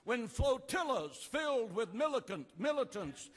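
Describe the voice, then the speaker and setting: A man's voice: very high-pitched, big pitch swings, in a large hall, soft background music. An older man, a pastor, delivering an emphatic speech at an outdoor rally, building through repeated refrains. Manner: slow, emphatic, repeated refrains, rising to shouts. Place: outdoor rally at an ancient port.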